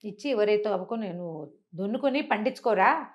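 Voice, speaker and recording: A woman's voice: medium pitch, animated, fairly quick, lo-fi sound. A woman telling a folk story informally, in a conversational way with explanatory asides and rhetorical questions.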